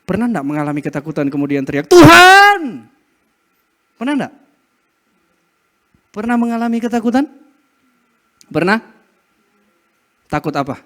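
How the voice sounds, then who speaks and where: A man's voice: on the high side, a little fast, long pauses, a little mellow. A man preaching a sermon in church, asking the congregation questions, laughing often and acting out cries to God. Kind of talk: interactive sermon. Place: church hall.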